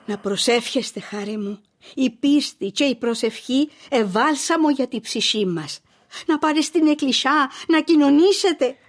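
An actress with a Cypriot Greek accent playing a devout, pious old mother who is gentle but stern. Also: sits high. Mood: soothing. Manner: pious, scolding, lively speech.

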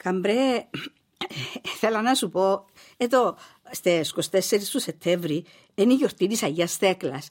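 An actress with a Cypriot Greek accent playing a devout, pious old mother who is gentle but stern. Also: mid-range voice, lightly acted. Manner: pious, scolding, lively speech.

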